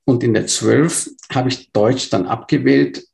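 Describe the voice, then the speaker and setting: Brief: gravel-voiced man in his fifties, born in Burma, interview guest, halting and thoughtful. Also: mid-range voice, steady tone, a little mellow. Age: 50s. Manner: hesitant, many fillers and restarts. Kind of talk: conversational interview storytelling.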